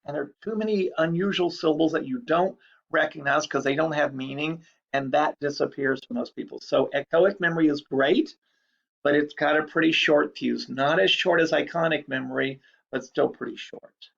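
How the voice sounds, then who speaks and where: A man's voice: a little high, moderate pace, vocal fry, fairly bright tone. A man giving a recorded lecture in a chatty, explanatory way, repeating key points. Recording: dull lo-fi recording.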